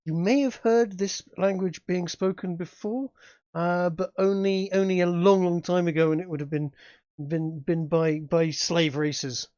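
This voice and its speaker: A man's voice: high-pitched, fairly even intonation, a little mellow, no echo, lo-fi sound. A man narrating a tabletop game as game master, describing scenes with frequent fillers and restarts. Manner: halting, many restarts and fillers.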